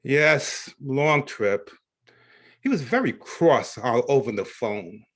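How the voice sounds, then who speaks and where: A man playing a busy, dry magazine editor in a play reading, with a measured, deliberate manner. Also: medium pitch, expressive, fairly bright tone. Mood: dry, curt. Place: online video call reading. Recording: video call audio.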